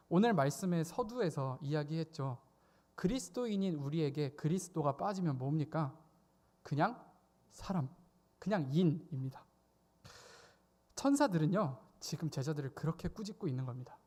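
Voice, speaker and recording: A male youth pastor delivers a sermon at a church service. His voice sits a little high for a man. He talks in an animated way, rising into sudden loud exclamations whenever he acts out a quoted voice. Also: moderate pace, pauses often.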